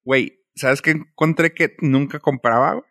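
A man with a Mexican Spanish accent chatting casually from home, animated and full of slang. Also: a little high, moderate pace, dry recording, clean studio sound. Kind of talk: casual podcast chat. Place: home room.

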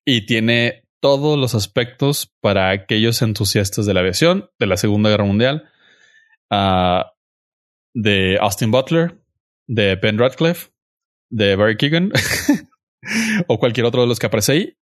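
A man's voice: lowish voice, animated, unhurried, long pauses, no echo, clean studio sound. A young man with a Mexican accent hosting a podcast, chatting casually and insisting on his opinions in slangy terms. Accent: Mexican Spanish. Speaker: podcast host. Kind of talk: casual chat reviewing a series.

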